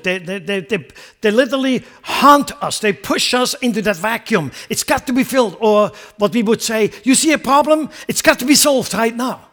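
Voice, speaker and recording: A man's voice: high voice, a bit bright. A man preaching a sermon as a pastor, impassioned and repeating words as he builds emphasis.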